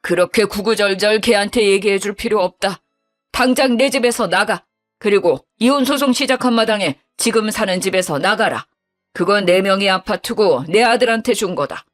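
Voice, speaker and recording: A woman's voice: medium pitch, normal speed, faint music behind, close to an everyday voice. Woman voicing a firm, commanding older father-in-law figure for a narrated story. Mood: stern. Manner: stern, commanding.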